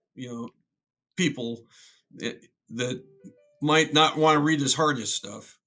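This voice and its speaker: With music in the background, a man talks at a moderate pace in a fairly high pitch with ordinary pitch variation. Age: 60s. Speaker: organizational development consultant and author. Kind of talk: interview. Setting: video call. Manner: halting.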